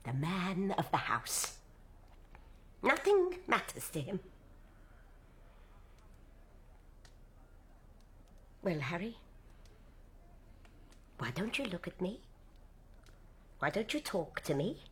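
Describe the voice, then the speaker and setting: A woman's voice: on the low side, big pitch swings, takes it slowly, long pauses, slight background noise. An actress playing a fiery, bitterly disappointed working-class Jewish wife and mother, scolding and sarcastic, in a dramatic stage style. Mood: bitter sarcasm. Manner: scolding, sarcastic, emotionally volatile. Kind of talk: dramatic stage-play acting.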